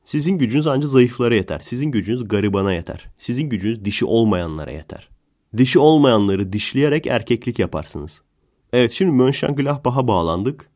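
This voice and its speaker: A man's voice: fairly low pitch, lively intonation, quick pace, a little mellow. A man hosting a casual comedic podcast, telling stories in a sarcastic, joking way. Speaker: podcast host.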